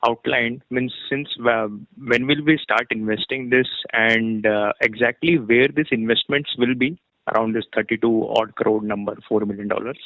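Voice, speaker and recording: Polite analyst on a phone line. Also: male voice, mid-range voice, fairly even intonation, moderate pace, no echo. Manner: polite, deferential, many fillers. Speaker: fund analyst asking questions. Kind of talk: earnings call questions. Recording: dry tinny phone line.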